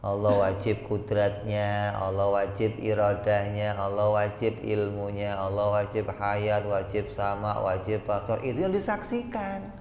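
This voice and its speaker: A man teaches a religious study class at an unhurried pace, peppering his listeners with rhetorical questions. His voice rings out with a long reverb in a large hall, and faint noise sits behind it. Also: fairly low pitch. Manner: chants lists of terms in a steady cadence. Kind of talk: Islamic study lecture.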